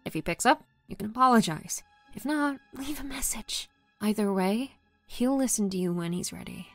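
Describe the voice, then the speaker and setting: An actress playing a caring, confiding female friend in an audio drama, soothing and often hushed. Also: a little high, expressive, normal speed, no room sound, faint music behind. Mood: reassuring.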